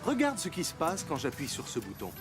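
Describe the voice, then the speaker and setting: An eager, courteous cartoon salesman, with a very animated swing in his pitch. He delivers polite patter over prominent music. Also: brisk. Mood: eager to please. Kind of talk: cartoon voice acting. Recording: music behind the voice.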